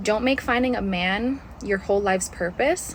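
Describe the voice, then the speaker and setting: This woman speaks at a moderate pace with ordinary pitch variation. Noticeable background noise sits behind her. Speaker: social media creator. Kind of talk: personal monologue; reading aloud. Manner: heartfelt.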